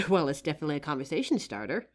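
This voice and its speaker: A woman playing a friendly, curious psychic who helps out in a costume shop, chatting expressively to the listener in a roleplay audio drama. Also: low-pitched. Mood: encouraging. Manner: chatty, expressive, with pauses and soft laughs. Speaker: voice actor. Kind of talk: roleplay audio drama, one side of a chat addressed to the listener.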